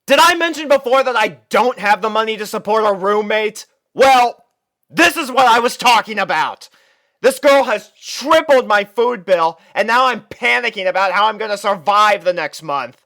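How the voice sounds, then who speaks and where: A man giving an expressive, dramatic first-person reading of a story as an exasperated student. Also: high voice, moderate pace, no room sound. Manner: expressive, theatrical delivery with sighs. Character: exasperated young male student narrating his life with a roommate. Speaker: fan fiction reader.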